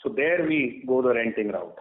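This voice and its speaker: Echoey, halting Indian man on conference call. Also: mid-range voice, animated, narrow, tinny audio, a little hiss or hum. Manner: halting, measured, with frequent mid-sentence pauses. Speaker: company executive answering analyst questions. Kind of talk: earnings call Q&A, spontaneous explanation. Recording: echoey, band-limited conference call line.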